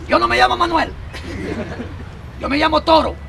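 A man voicing a stubborn, crazy man on a rooftop who talks flatly and refuses. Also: extremely high pitch, normal speed, gravelly, recorded from a distance, full character voice. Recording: outdoor street crowd noise.

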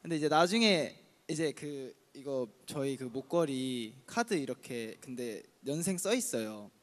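A man's voice: mid-range voice, animated, unhurried. A man in his twenties, an idol guest, telling rambling anecdotes in casual talk on stage with a handheld mic. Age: 20s. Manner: rambling storyteller, laughs often. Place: large concert hall stage. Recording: live hall reverb.

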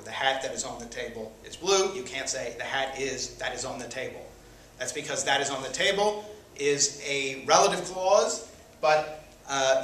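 A man's voice: on the high side, sharp tone, a little hiss or hum. A man teaching a sentence-diagramming lesson, thinking aloud with frequent fillers as he works at a board. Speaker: grammar teacher. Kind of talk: whiteboard grammar lesson. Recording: echoey room, mic far off.

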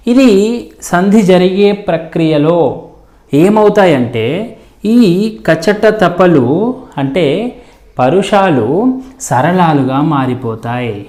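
Man teaching grammar, high voice, echoey. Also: darkish tone. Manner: repeats terms and examples slowly, asks and answers own questions. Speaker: Telugu teacher. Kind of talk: explanatory grammar lesson.

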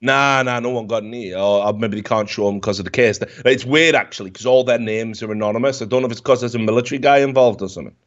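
A man, swearing freely and telling a story loudly in a casual chat, on a headset mic. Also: medium pitch, fast talker, few pauses, dull audio. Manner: profane, animated storytelling, gets loud when worked up. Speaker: podcast host. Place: home room, indoors. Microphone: headset with desk mic.

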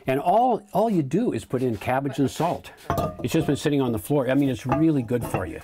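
A man in his eighties giving a relaxed, rambling tour of his homestead, often repeating words while he thinks, on a lapel mic with faint background noise. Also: medium pitch, brisk, crowd noise. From United States. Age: 80s. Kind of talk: casual tour talk. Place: outdoor garden and home pantry.

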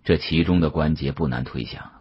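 A man with a husky voice narrating a first-person story as an expressive, scripted audiobook. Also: a bass voice, brisk, highs cut off.

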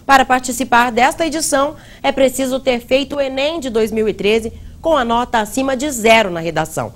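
A woman's voice: sits high, a little fast. A young woman presenting a read news bulletin in a TV studio on a lapel mic. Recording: faint music bed.

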